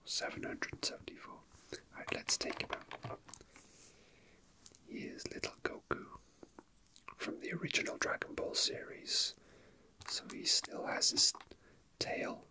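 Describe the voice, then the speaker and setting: Speaking in a gentle, breathy whisper, a man makes an ASMR video where he chats casually and reads facts out loud. He's unhurried, going slowly and hesitantly.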